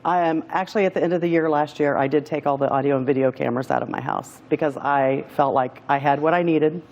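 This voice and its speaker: A woman appearing as a guest on a talk show, telling her story in a hesitant, halting way. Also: low-pitched, steady tone, a little mellow, highs cut off. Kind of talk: emotional personal testimony.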